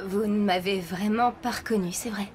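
A woman's voice: medium pitch, steady tone, normal speed, darkish tone, slight background noise, natural voice. An actress dubbing a young woman film star who hides her fame, talking in an evasive, playful way. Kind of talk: French dub of a TV film.

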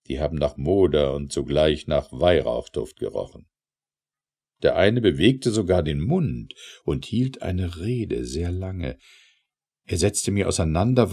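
A man narrating an audiobook of verse in a theatrical, declamatory manner with measured phrasing and pauses. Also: sits low, mellow, husky. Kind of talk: dramatic recitation of satirical verse.

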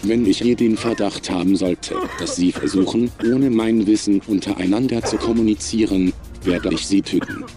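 A man playing a cold, superior, menacing artificial intelligence in a science fiction audio drama, speaking in a measured, formal, emotionless way. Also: lowish voice, fairly even intonation, music in the background, natural voice. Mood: cold threat.

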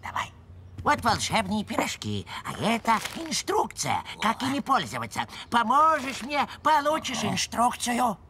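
A woman's voice: fairly high pitch, huge pitch swings, a little slow, slight background noise, exaggerated voice. A woman voicing a grumbly, bossy old witch in a children's cartoon, brusque and full of exclamations. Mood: brisk, bargaining. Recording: loud music behind the voice.

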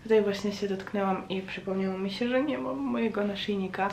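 A woman talking casually to her vlog audience in a hesitant, reflective way, with frequent pauses. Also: medium pitch, fairly even intonation, creaky, darkish tone. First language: Polish. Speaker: vlogger. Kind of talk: casual chatty personal vlog monologue. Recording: roomy echo, faint background noise.

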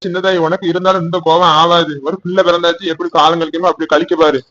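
A man's voice: high voice, flat delivery, quick pace, bright, forceful tone, muffled recording. A man voicing a stern but soothing middle-aged village father in a cartoon, with a Tirunelveli Tamil accent and a lecturing, reproachful manner.

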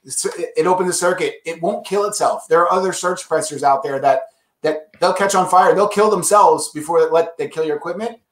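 A man with a slightly high voice talks through audio gear like a keen salesman, upbeat and chatty. The sound is roomy, with a clear echo around him. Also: brisk. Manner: enthusiastic salesy explaining. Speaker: brand representative. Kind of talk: casual product pitch.

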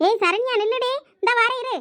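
Woman playing a shrill bossy village mother. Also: very fast, background noise. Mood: scolding. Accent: Thoothukudi Tamil. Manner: scolding, domineering. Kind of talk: village comedy skit.

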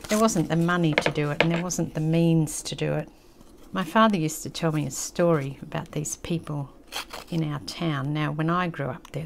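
A woman's voice: low-pitched, creaky, background noise. An older woman with an Australian accent, chatting casually and reminiscing as she hosts a craft tutorial at a table. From country New South Wales, Australia. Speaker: craft channel host.

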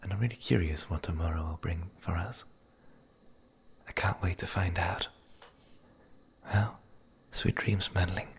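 A man voicing a gentle, playful male werewolf in an ASMR roleplay, speaking softly and intimately, often in a whisper. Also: sits low, a little hiss or hum. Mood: tender, content. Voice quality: husky, breathy, gravelly. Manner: soft, intimate, halting.

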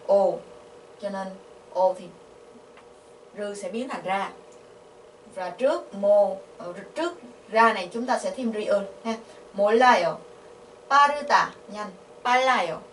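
Vietnamese-accented woman, patient grammar teacher, roomy distant sound with faint hiss. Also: mid-range voice. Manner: patient, asks the class questions, repeats syllables slowly. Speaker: Korean language teacher. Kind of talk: explaining grammar. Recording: echoey, from a distance, faint noise.

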